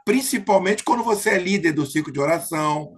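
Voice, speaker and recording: A man leads a Bible study group in a husky, slightly rough voice. He speaks with emphatic indignation, calls on people and asks for questions. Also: high voice, lively intonation, fast talker. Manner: emphatic, indignant about hypocrisy.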